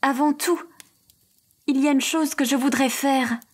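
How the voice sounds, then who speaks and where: A quiet, determined young heroine from a storybook speaks calmly and firmly, as a woman reads her lines. Her voice is light and raised, and she speaks unhurriedly. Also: sits high, a little slow, pitched above the performer's own voice. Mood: resolute.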